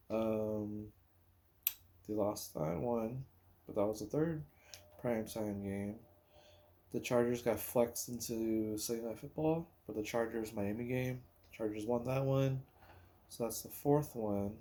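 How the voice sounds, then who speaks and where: A man talks casually about sports at a slow, unhurried pace. His voice is mellow and relaxed, and he rambles hesitantly, pausing as he thinks out loud like a solo podcast host. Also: fairly low pitch. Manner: rambling, hesitant, pauses while recalling and counting.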